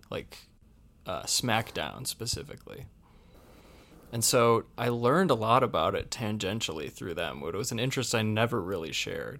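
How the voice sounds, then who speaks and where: A man speaks at a moderate pace and a medium pitch, with very wide pitch swings and vocal fry. The recording is very clean, with a silent background. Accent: American. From Michigan. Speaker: podcast co-host. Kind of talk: casual chat.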